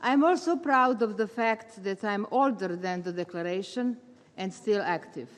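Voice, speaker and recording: A woman, a retired English teacher giving a measured, formal prepared speech as a volunteer. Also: mid-range voice, slight background noise. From Serbia. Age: 70s. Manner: measured, formal delivery with careful phrasing. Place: large meeting hall. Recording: long hall reverb.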